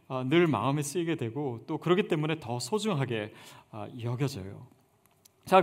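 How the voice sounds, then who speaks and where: A man preaching a sermon as pastor, earnest and conversational, building up emphasis on key points. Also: on the high side.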